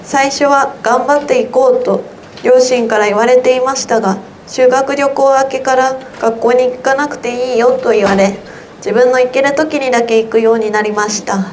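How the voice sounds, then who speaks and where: Teenage female student, high pitch, reads slowly and carefully at a symposium. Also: fairly even intonation, a little hiss or hum. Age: teens. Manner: slow, careful reading. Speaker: student reading her essay. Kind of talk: reading an essay aloud. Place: symposium hall.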